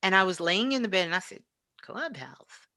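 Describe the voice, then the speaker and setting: A middle-aged woman talking casually as a guest in a spiritual interview, expressive and emphatic, repeating phrases to drive them home. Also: mid-range voice, moderate pace, no echo, clean studio sound. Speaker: guest, online radio show host.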